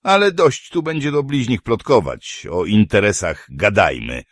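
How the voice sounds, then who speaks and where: A man voicing a burly, rough male mercenary who grumbles and mocks in an audiobook. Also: fairly low pitch, lively intonation, normal speed, dry recording, clean studio sound, voice pushed up. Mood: mocking. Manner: grumbling, mocking.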